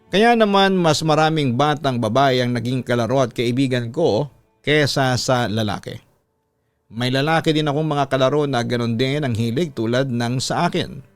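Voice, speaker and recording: A man's voice: mid-range voice, normal speed, smooth, no echo, faint music behind. A man reading a listener's personal letter aloud as a scripted, storytelling radio-style narration.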